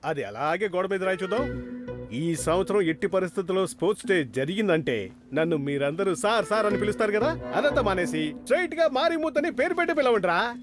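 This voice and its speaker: An actor playing a bossy school teacher who scolds children, in film dialogue, his pitch swinging widely. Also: expressive, quick pace. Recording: film soundtrack with music behind.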